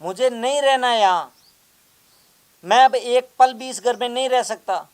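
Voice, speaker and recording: A man's voice: extremely high pitch, a little slow, faint music behind. A man playing a whiny henpecked husband. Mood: fed up. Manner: whining, pleading. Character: henpecked young house-husband, whiny and put-upon. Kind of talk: comedy skit acting.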